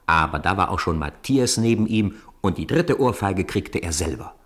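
A man with a fairly low voice narrates a story for a children's radio play. He delivers scripted storytelling between the acted scenes. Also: animated, moderate pace, a bit bright, breathy edge.

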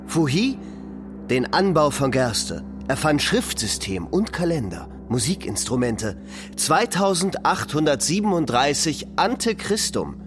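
A man narrating an epic poem for a radio play in a measured, declamatory way. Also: on the high side, big pitch swings, music in the background. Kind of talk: solemn scripted recitation of epic poetry.

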